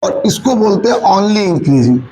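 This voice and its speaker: High-voiced man teaching maths. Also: very animated, measured pace, warm tone, low-quality recording. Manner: asks and answers his own questions; mixes English maths terms into Hindi. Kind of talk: classroom lecture.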